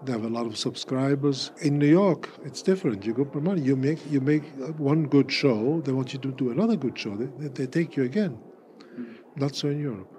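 A man's voice: mid-range voice, mellow. Old german guy answering an interviewer, lots of uhs and restarts, bit of hiss. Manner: measured, wry, with many fillers and restarts. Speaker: interviewee, cabaret artist.

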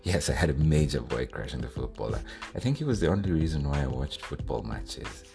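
Podcast host, man from Kenya, young adult, extremely deep voice, earnest scripted read over a music bed. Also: very animated, fairly quick, vocal fry.

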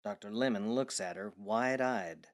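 A man's voice: on the low side, measured pace. A man reading scripted present-tense scene narration for an audio drama.

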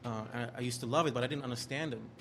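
A man's voice: mid-range voice, rapid-fire, fairly bright tone, a little hiss or hum. A man from Austria with an Austrian accent, a guest telling his story in a casual interview, easygoing and self-deprecating. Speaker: guest, music A&R. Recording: music playing behind.

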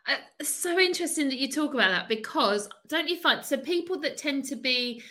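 A woman co-hosting a podcast, chatting casually and laughing often as she thinks out loud. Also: high-pitched, animated, a little fast. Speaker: podcast co-host.

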